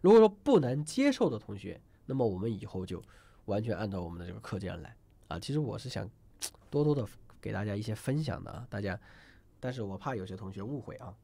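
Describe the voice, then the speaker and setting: Fast and sing-song, this man's lowish voice sounds gravelly and dark. During a live online singing lesson he rambles on, full of fillers and false starts, frequently telling his students to drop numbers in the chat.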